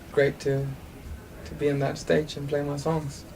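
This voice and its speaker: Audible room echo surrounds a man speaking at a fairly high pitch and a moderate pace. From Denmark. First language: Danish. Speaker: singer-songwriter. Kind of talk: interview. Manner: halting.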